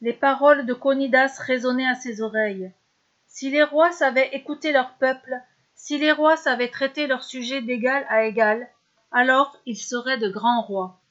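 A woman narrating a serialized story in a steady, measured way. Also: sits high, highs cut off.

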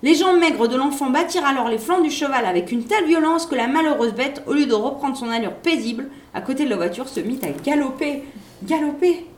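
Woman reading a storybook aloud, expressive. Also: high-pitched, a little fast, hardly any pauses, reverberant. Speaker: reader. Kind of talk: reading a children's book aloud.

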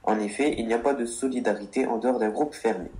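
A man with a medium-pitched, warm voice speaks quickly. He co-hosts a radio show about words, reading earnest explanations and meeting teasing with mock exasperation.

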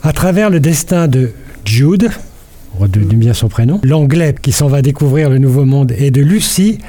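Older french guy doing a culture bit on local radio, mellow voice, playful storyteller. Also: mid-range voice, lively intonation, normal speed. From France. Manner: playful storytelling, quizzing the host. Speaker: culture columnist. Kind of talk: radio chronicle, partly read.

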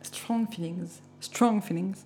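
A woman in her late thirties, a DJ guest chatting casually on the radio about music, hesitant with many fillers and quick to laugh. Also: medium pitch, warm tone, slight background noise. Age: 30s.

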